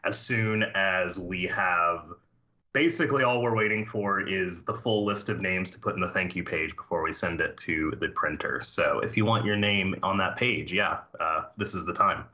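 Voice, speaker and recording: A man with a very low voice and a sharp, forceful tone. He is a comic book writer, a guest on a podcast. He talks in a halting way, full of fillers and restarts. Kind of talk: casual podcast interview.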